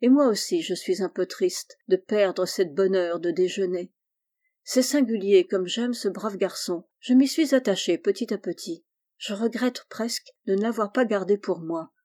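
A woman's voice: mid-range voice, moderate pace, warm tone, lightly acted. A woman reading the part of a tender, devout lady musing with fond regret. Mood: wistful.

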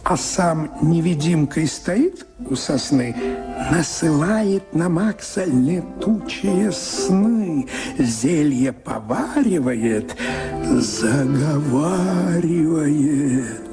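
Casting: male radio storyteller, high-pitched and very animated, theatrical rhythmic verse with faint music behind. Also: very slow. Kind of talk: theatrical rhythmic verse narration of a folk tale.

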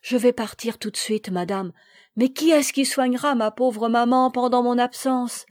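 A desperate seven-year-old boy begs through sobs in a storybook tale, as a woman reader puts him on. The voice sits high and pushes out loud and urgent, recorded close and dry. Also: normal speed, dry recording, natural voice. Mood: pleading. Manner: pleading, sobbing.

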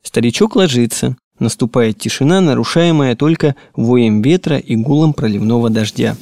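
A man reading classic prose for an audiobook in an expressive, measured narration. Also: mid-range voice, creaky, no echo. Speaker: audiobook reader. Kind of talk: scripted narration.

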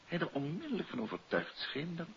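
An actor playing a suave, courteous detective and teasing husband in a 1950s Dutch radio play. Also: male voice, a little high, wildly swooping pitch, fairly quick, vocal fry, slight background noise, full character voice. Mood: pensive. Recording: dull old radio recording, music behind.

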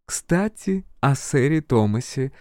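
A male reader voicing a shrewd older dowager duchess, gracious and gently commanding. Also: mid-range voice, expressive, slow, no echo, studio quality, voice pushed up. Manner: warm, grand, gently commanding.

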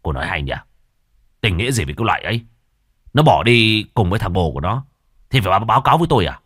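A man's voice: very deep voice, moderate pace, no echo, clean studio sound, voice pushed down. A man voicing a cruel, menacing middle-aged butcher who sneers and growls. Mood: angry.

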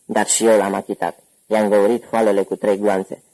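A man voicing a hoarse, corpulent older gangster uncle who talks boisterously and at length. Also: fairly low pitch, flat delivery, darkish tone, poor audio. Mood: jovial.

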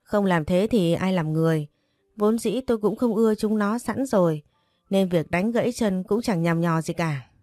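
A man's voice: high-pitched, moderate pace, a little mellow, no room sound, clean studio sound, faint music behind, natural voice. A woman reading the part of a teasing, possessive young master of the house, in a storybook. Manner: teasing and bossy.

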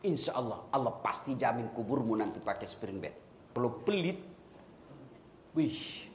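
A man preaches a humorous sermon, his pitch swinging widely as he teases and builds to loud calls. There is a faint hiss of noise behind him. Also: animated, a little slow. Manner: jokey, teasing, rising to loud exhortations.

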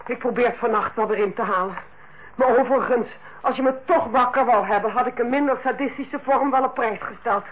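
An actress in a Dutch radio play playing a sour, curt, easily offended aunt with a sarcastic, martyred manner. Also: female voice, a little high, a little fast, natural voice. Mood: icy, sarcastic. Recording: tinny, noisy old radio recording.

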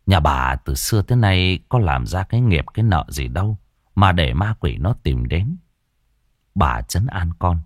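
A man's voice: deep voice, very animated, normal speed, no room sound, studio quality. A man narrating a ghost story in a dramatic, suspenseful way.

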